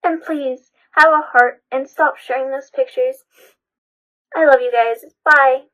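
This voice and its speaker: A woman voicing a dramatic, self-pitying teenage schoolgirl with a plaintive, theatrical manner in an animated roleplay. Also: high voice, unhurried, rough recording. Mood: pleading, wounded. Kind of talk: hobby animated roleplay voice acting.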